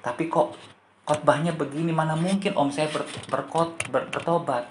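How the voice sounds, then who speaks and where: A man preaching in a church, voicing a devout young girl who pleads and prays in his own low voice, heard in an echoey hall. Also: lively intonation, moderate pace, slight background noise. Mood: pleading. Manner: pleading, disappointed prayer.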